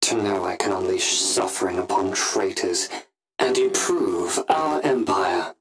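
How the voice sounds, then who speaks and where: A man voicing an ambitious, brooding Sith Inquisitor in a pompous, deliberate, theatrical monologue for a scripted audio log. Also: low-pitched, poor audio. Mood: cold fury. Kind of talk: scripted in-character log narration.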